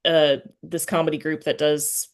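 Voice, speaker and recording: A woman with a low-pitched voice chats as an interviewer. She is informal and rambling, often breaking off and restarting her own thoughts. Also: flat delivery, normal speed. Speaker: podcast host, interviewer. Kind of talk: casual chat.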